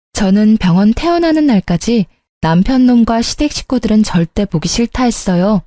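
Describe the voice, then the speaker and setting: Woman telling a story in a mellow voice. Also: medium pitch, dry recording, clean studio sound. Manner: plain conversational storytelling. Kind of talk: scripted narration of a true story.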